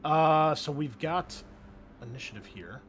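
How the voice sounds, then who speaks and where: A man's voice: fairly high pitch, animated, unhurried, fairly bright tone, soft background music. A man working as game master, narrating and refereeing a tabletop roleplaying game in a casual way.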